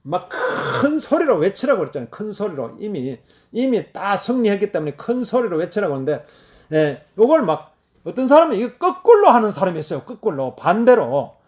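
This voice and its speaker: Man, middle-aged, pastor, sermon, high voice, animated, emphatic and repetitive. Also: a little fast. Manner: repetitive, emphatic preaching with sudden loud exclamations.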